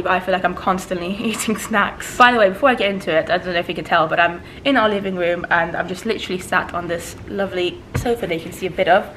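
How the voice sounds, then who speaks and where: A woman's voice: mid-range voice, slight background noise. A woman of about thirty, raised in Switzerland with Persian as her first language, chatting casually to the camera from her living room and sounding slightly stuffy from hay fever. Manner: chatty, laughs often, warm asides. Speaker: vlogger. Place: living room with windows open. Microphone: camera placed close.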